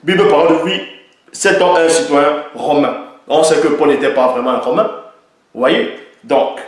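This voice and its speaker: A man's voice: fairly high pitch, moderate pace. A man with a slightly raised voice delivers an emphatic opinion monologue, drawing on Bible passages and repeating key lines for stress. His voice rings out in a heavily echoing room. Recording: very echoey room.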